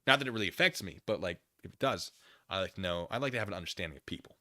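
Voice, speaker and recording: A man with a fairly low voice and a bright, forceful edge talks casually as a livestream host. He muses through his opinions in a halting way, rewording and qualifying as he goes, with short emphatic phrases. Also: expressive. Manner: musing, halting, often rephrasing and qualifying himself. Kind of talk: casual opinion monologue, answering chat comments.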